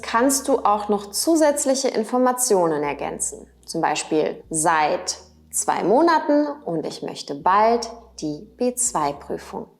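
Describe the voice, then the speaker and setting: Female language teacher, unhurried, clear delivery, repeats example phrases for learners. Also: medium pitch. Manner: careful, repeats example sentences slowly. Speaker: German teacher. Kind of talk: slow, clearly spoken language lesson.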